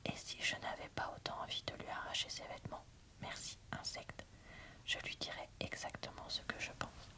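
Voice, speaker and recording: A woman softly whispers an ASMR book review and reading in an unhurried, informal way. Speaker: book reviewer and video host.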